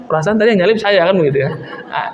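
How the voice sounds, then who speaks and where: Male preacher, high voice, animated storytelling, echoey hall with long reverb. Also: racing, lo-fi sound, slight background noise. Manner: animated storyteller who acts out quoted voices. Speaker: ustadz preacher. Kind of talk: sermon with storytelling.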